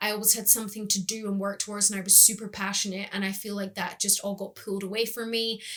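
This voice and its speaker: A woman speaks at a medium pitch with a Scottish accent, her intonation monotone and flat. Noticeable background noise is present. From Scotland, Highlands. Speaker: breathwork meditation facilitator. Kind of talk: solo podcast monologue.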